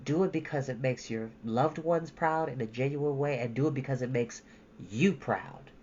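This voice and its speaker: A woman's voice: very deep voice, normal speed, mellow, highs cut off, a little hiss or hum. A woman talking casually to her viewers as a storytime host, in an informal, emphatic, encouraging way.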